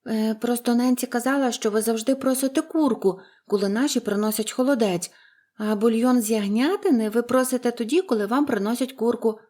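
A woman's voice: a little fast, lightly acted. A woman voicing a cheerful, chatty young orphan girl who talks eagerly and gushes in a storybook reading. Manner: eager, gushing, high and bright.

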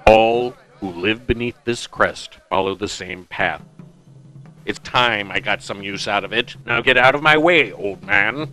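A proud samurai warrior with a lowish, hard-edged voice. He is defiant and solemn, speaking in clipped, forceful phrases over faint music in an animated drama. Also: a little slow. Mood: angry defiance.

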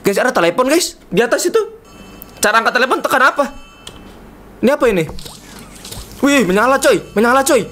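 A man's voice: extremely high pitch, expressive, brisk, long pauses, pushed and bright, slight background noise. A man from Indonesia, playful and chatty, giving casual live commentary while streaming a game and constantly calling out to viewers. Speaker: gaming streamer.

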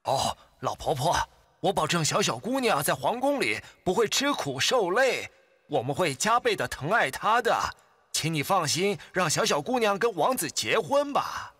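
Courteous royal envoy, high voice, very animated, earnest, storybook cartoon. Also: male voice, moderate pace, husky, exaggerated voice. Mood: earnest, reassuring. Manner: polite, earnest. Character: courteous, persuasive royal ambassador, adult man. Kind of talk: children's storybook cartoon acting.

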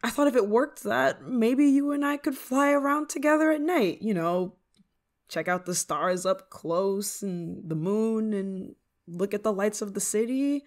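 A woman's voice: medium pitch, lively intonation, measured pace. A woman playing a flustered, affectionate novice witch in an ASMR roleplay, speaking in a hesitant, fretful way. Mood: sheepish, affectionate. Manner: hesitant, stammering, fretful, sighing. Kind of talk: ASMR roleplay monologue to the listener.

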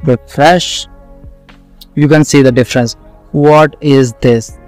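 Slow, clear South Asian man teaching. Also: medium pitch, steady tone, a little mellow, dry recording, faint music behind. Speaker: coding tutorial instructor. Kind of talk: screen-recorded tutorial, explaining step by step.

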